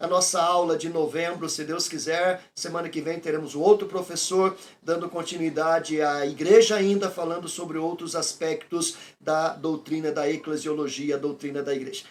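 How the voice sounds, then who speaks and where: Over noticeable background noise, a man with a high pitch talks with hardly any pauses and fairly even intonation. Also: moderate pace. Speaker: pastor teaching theology class. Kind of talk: lecture.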